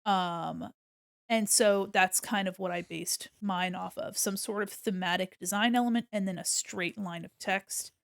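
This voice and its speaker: A woman's voice: medium pitch, fairly even intonation, measured pace, gravelly, no echo. A woman at a home stream walks through logo design references, chatty and loose with plenty of ums. She is a bit sniffly, and her mid-range voice sits close and dry with no room around it. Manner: chatty, many ums and restarts, explaining while drawing. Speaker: streamer giving art critique. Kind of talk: casual art tutorial walkthrough.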